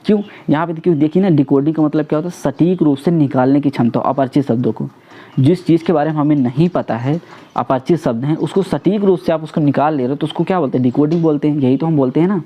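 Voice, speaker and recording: A man's voice: fairly high pitch, fast, dull audio. A young man teaching an exam-prep lecture, asking questions and answering them himself, with English words mixed into his talk.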